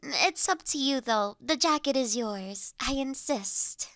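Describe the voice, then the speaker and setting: A woman acts out a genteel noblewoman with a high, bright voice and slow, measured delivery. She speaks formally, with poised authority and a kindly touch, letting phrases trail off softly. It is a close, dry audio roleplay recording. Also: lively intonation, no echo, heavily acted. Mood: considerate. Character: refined young noblewoman, mine overseer, poised, authoritative yet kindly. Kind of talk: scripted audio roleplay addressed to listener.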